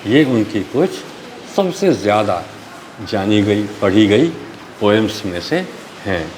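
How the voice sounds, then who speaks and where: Male teacher, slow and animated, explaining patiently with faint hiss behind. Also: lowish voice, poor audio. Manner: slow explaining, mixing Hindi and English, frequent "ठीक है". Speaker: school English teacher. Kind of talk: online class lecture.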